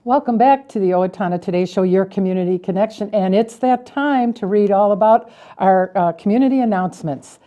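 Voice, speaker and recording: A woman with an American accent presents a community TV show. Her voice is soft-edged and mellow at an ordinary pitch, whether she is putting questions to a guest or reading local notices. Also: fairly quick, hardly any pauses. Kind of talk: interviewing and reading community announcements.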